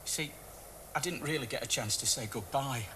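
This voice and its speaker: A man's voice: mid-range voice, normal speed, very noisy. A man in a comedy sketch playing a newly dead man, asking earnest, wondering questions.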